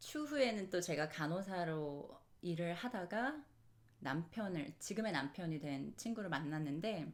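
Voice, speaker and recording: A woman's fairly low, unremarkable speaking voice, fairly slow in pace with lively intonation. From South Korea. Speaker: nurse and YouTuber. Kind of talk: casual vlog talk.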